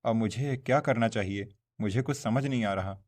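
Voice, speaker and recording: A man's voice: on the low side, normal speed, a little mellow, close to an everyday voice. A man voicing an honest, poor young man in a cartoon, talking earnestly and pleadingly. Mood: sorrowful. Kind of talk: Hindi cartoon voice acting.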